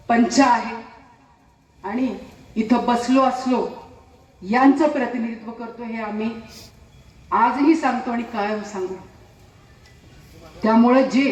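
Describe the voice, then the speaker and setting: A woman giving an impassioned political speech to a gathering, pleading with the crowd in repeated rhetorical appeals. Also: a little high. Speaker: political speaker at a rally. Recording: echoey, distant from the mic, light noise.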